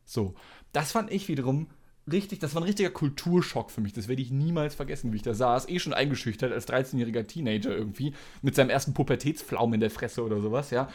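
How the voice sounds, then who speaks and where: A young man from Germany in casual podcast chat, teasing his friends and telling animated stories. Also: medium pitch, fast. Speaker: podcast co-host.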